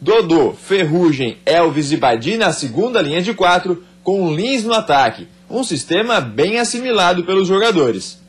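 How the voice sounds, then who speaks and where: A man narrating a scripted sports news report with a brisk, emphatic delivery. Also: sits high, sing-song, slightly rough. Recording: voice-over with music bed. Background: music.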